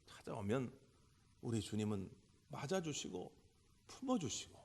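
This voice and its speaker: A male pastor delivering a Sunday sermon, full of rhetorical questions, swinging between loud bursts and quiet passages. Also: medium pitch, sing-song, measured pace. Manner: impassioned, with rhetorical questions and big swings in loudness. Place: church sanctuary. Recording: long church hall reverb.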